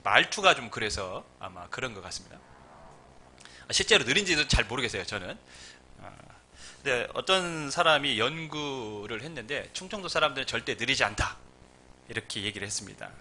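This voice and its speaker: A man's voice: mid-range voice, lively intonation, fairly quick, bright, forceful tone. A male pastor preaching a sermon in a humorous, storytelling way.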